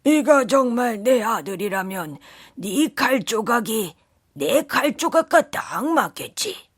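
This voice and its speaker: A performer voicing an old, ailing king and loving father with solemn, drawn-out, emotional delivery. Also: mid-range voice, expressive, slightly rough, no echo, clean studio sound.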